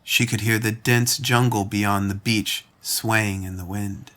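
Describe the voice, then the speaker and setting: A man's voice: lowish voice, fairly even intonation, a little slow, fairly bright tone. A man reading scripted fiction narration as the storyteller.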